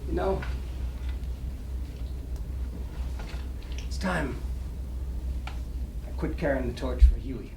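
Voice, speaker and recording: A man's voice: medium pitch, measured pace, vocal fry. A man playing a brash, boastful 1920s New York gambler with slangy swagger in a staged play reading. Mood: resigned. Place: library reading room, public event. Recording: roomy, distant mic, noisy room.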